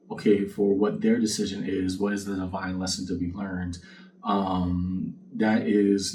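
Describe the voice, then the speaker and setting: A low-voiced man gives a casual tarot reading in a mellow, relaxed tone. He is conversational and reflective, recorded a little away from the mic. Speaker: tarot card reader and channel host. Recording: distant mic with faint background noise.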